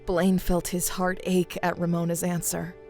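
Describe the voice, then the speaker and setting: A woman narrating a scripted drama in a measured, suspenseful way. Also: fairly low pitch, monotone. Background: music.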